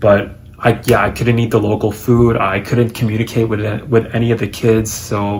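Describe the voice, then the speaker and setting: Noticeable background noise sits behind a man with a fairly low pitch. He talks at a moderate pace with fairly even intonation. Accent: slight Filipino. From Taiwan. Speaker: YouTuber. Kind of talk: personal monologue vlog. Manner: hesitant, many fillers.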